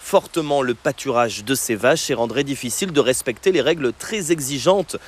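Radio reporter, male, steady clear report narration. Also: mid-range voice, normal speed.

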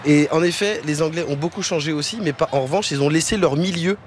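A man with a fairly high voice breaks down the play, pausing often on fillers. Faint noise sits behind him. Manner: hesitant, many fillers. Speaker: football analyst. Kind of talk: match analysis.

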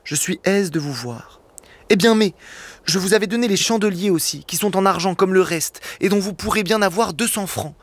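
A man reading aloud as a gentle, serene old bishop who speaks calmly and kindly. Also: sits high, normal speed. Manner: calm, kindly, a touch solemn.

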